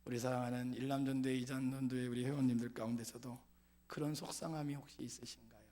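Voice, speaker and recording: A middle-aged man preaching a sermon to his congregation, asking them questions and swinging from loud calls down to whispers. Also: mid-range voice, little pitch movement, fast talker. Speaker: pastor. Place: church sanctuary.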